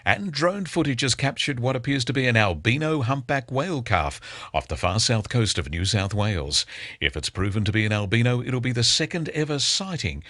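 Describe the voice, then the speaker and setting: A man's voice: medium pitch, very animated, moderate pace, fairly bright tone, no echo, clean studio sound. An Australian man reading a scripted radio news bulletin as the presenter. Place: close, dry radio studio.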